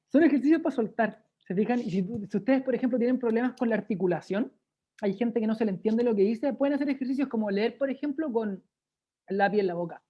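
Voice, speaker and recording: A woman with a Chilean accent runs a lively online speaking workshop, demonstrating exercises and checking in with listeners often. Her mid-range voice is warm with a breathy edge. The video call audio sounds dull and lo-fi.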